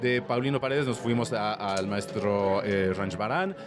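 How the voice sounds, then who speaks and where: A man's voice: fairly low pitch, lively intonation, unhurried, music in the background. A man, a conductor answering interview questions thoughtfully, with many hesitations.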